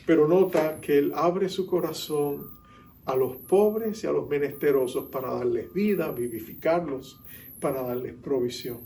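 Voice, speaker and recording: A man's voice: a little high, measured pace, dark tone, slight background noise. A male pastor preaching an earnest sermon in church, acting out the figures he quotes.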